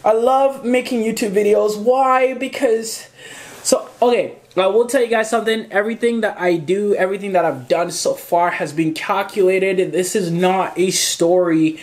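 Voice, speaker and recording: A man's voice: high-pitched, steady tone, normal speed. A man in his twenties from Zimbabwe, chatting casually and rambling as he answers questions in a home vlog. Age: 20s. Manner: chatty, rambling, gestures with hands, swears casually. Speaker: photographer and YouTuber. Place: small indoor room at home.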